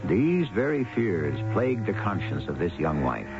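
A man's voice: sits low, sing-song, moderate pace. A man hosting and narrating a radio mystery in a theatrical, portentous scripted style. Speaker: host and narrator. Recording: dull vintage radio recording. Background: music.

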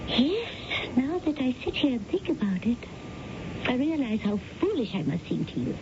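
High-voiced, proud widow. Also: female voice, big pitch swings, normal speed. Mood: insistent. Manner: precise, insistent, pointed. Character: proud, self-deprecating recent widow of modest means. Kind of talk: radio drama acting. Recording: dull, noisy old radio broadcast with rumble.

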